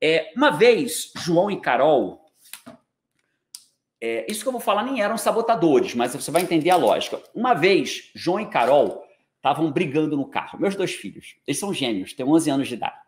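Male coach, 40s, Brazilian accent, slightly high and very animated, playful and slangy, roomy echo. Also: normal speed. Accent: Brazilian Portuguese. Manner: lively, joking, slangy, keeps checking in with listeners. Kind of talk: live online talk to an audience. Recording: echoey room.

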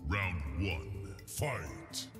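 A man's voice: low voice, animated, very slow, big-room sound, exaggerated voice. A man voicing a menacing, commanding fighting game announcer with terse, dramatic calls. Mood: commanding, ominous. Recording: game audio under loud music.

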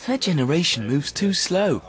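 A young actor voicing an ambitious farmer's son in a scripted voice-over, eager and restless. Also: male voice, a little high, very animated, normal speed. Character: ambitious farmer's son, impatient with his parents.

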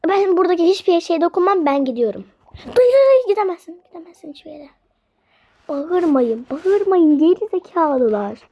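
A woman acts out a spooky scene in a high voice that leaps up and down. She is excitable, stammers and breaks into shrieks. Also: moderate pace, lo-fi sound. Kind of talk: acting out a spooky play scene.

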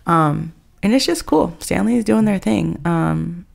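A woman's voice: fairly low pitch, animated, a little slow, vocal fry, darkish tone. An American woman talking casually in a chatty, rambling, conversational vlog voice-over. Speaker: vlogger.

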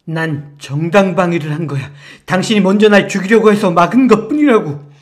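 A man's voice: on the high side, steady tone, a little slow, lightly acted. Man playing a paranoid, accusing husband. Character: suspicious husband, paranoid and defensive.

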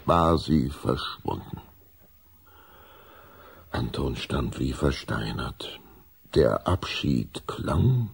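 A man with a gravelly voice narrating a children's audio drama in scripted storybook style. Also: rumbling low, a little mellow.

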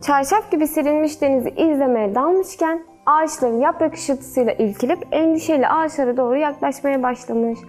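A woman storyteller reading a children's fairy tale in a gentle, measured way. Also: high-pitched.

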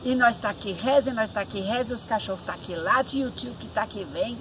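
A middle-aged woman telling a folk ghost tale in lively, colloquial rural speech, mimicking sounds as she goes. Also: a little high, fast. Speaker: storyteller. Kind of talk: oral folk storytelling. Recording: noisy recording.

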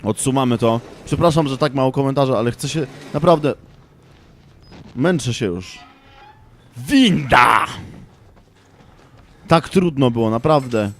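A young man commentating a horror game, shouting in panic and then grumbling in frustration. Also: mid-range voice, lively intonation, measured pace, pauses often, slight background noise. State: frustrated and agitated. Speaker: gaming channel host.

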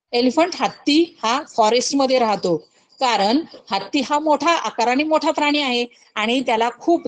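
A woman teacher with a Marathi accent leads a scholarship-exam coaching lesson. Her voice sits a little high, and she explains slowly. She often asks the pupils rhetorical questions and imitates animal sounds. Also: rough recording. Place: recorded online lesson.

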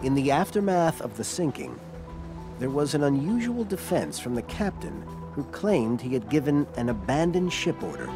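A man narrating a documentary in a measured, dramatic scripted voice-over. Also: mid-range voice, big pitch swings. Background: loud music score.

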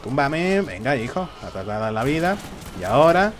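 A man's voice: mid-range voice, sing-song, normal speed, faint music behind. A man giving live, jokey commentary on a shooter game and taunting the enemies. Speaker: gameplay commentator.

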